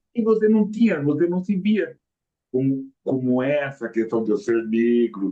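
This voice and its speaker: A man with a fairly high pitch speaks at a fairly slow pace, his pitch swinging very widely. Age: 60s. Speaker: literary show host. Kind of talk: interview conversation. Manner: halting, repetitive.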